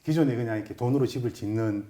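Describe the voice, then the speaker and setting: A man's voice: mid-range voice, racing, dark tone. A middle-aged man, a master carpenter, explaining in an interview with many filler words.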